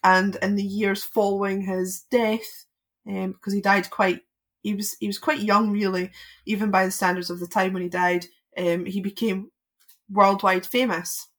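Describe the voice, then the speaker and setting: A woman's voice: mid-range voice, flat delivery, normal speed. A Scottish woman from Scotland, a podcast guest talking casually with frequent ums and restarts.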